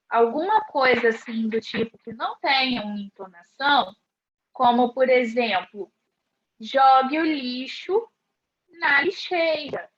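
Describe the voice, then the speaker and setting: A woman teacher explaining a class lesson slowly and clearly, asking rhetorical questions. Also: sits high, a bit bright. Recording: dull lo-fi recording.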